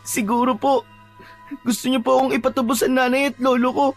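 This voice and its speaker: A woman acts as a small captive boy in an audio drama. The voice is high and childlike, frightened and plaintive, begging politely over faint music. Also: level tone, fairly quick. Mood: wary, pleading. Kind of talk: Filipino audio drama acting.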